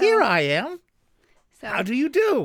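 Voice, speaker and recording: Someone performs a high-pitched, put-on character voice at a moderate pace. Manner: sweet, friendly.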